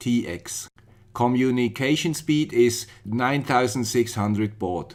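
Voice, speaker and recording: A man with a Swiss accent speaks very slowly at a medium pitch. The recording is very clean, with a silent background. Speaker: electronics YouTuber. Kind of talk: tutorial.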